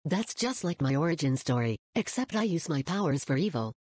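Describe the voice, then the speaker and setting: A woman sidekick with a low, husky voice, cutting in with snarky heckling remarks. Her delivery is dry and close to the mic. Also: big pitch swings, fairly quick, a little mellow, no echo.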